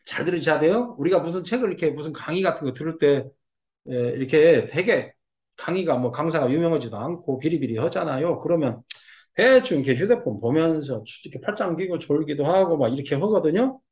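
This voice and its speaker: A middle-aged man lectures on classical texts in a high, lively voice that swings widely in pitch. He repeats each term patiently and slips into animated acted-out asides to make his point. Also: a little fast. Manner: explains terms repeatedly, acts out reactions with animated asides. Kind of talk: explanatory lecture. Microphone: seen on camera.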